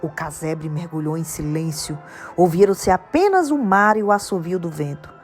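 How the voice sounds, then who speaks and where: A woman with a Brazilian accent narrating an audiobook in a calm, storytelling manner. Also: moderate pace, soft background music. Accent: Brazilian Portuguese. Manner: calm, lower-voiced storytelling. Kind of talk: audiobook reading.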